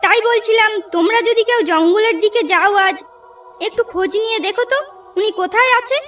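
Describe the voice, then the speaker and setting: A woman's voice: very high-pitched, fairly quick, fairly bright tone, recorded from a distance. A woman voicing a worried village wife in a cartoon, asking after her husband. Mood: anxious.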